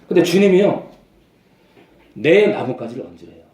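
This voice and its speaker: A man's voice: fairly high pitch, animated, normal speed, darkish tone, reverberant. A male pastor preaching a sermon emphatically, repeating phrases and raising his voice to stress his points.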